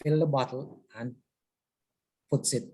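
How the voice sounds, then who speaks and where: A man gives a practical explanation, step by step. His pitch is average for a man and he speaks as a presenter taking questions. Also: steady tone, a little slow, a little mellow, husky.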